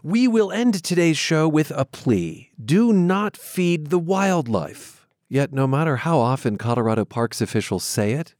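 A man's voice: medium pitch, darkish tone, no room sound, clean studio sound. A man hosting a public radio show, friendly and upbeat, lightly joking with his guest. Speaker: radio host.

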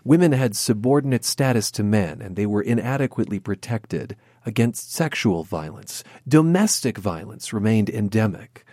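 Calm guy hosting a panel, reads a quote then asks questions, dry mic. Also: lowish voice, moderate pace, few pauses, no echo. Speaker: host. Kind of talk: interviewing panel guests.

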